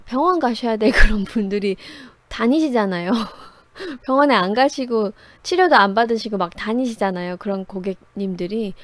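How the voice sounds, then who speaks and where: A woman teaching a writing class, telling personal stories in a lively, conversational way, often laughing as she goes. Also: on the high side, no echo. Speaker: writing instructor.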